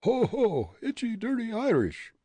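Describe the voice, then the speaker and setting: A man voicing a devilish hanging head in a storybook, hoarse and gurgling, mocking and giving menacing commands. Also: very high-pitched, wildly swooping pitch, measured pace, warm tone, dry recording, voice pushed up, exaggerated voice. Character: taunting devilish hanging head, a ventriloquist's thrown voice.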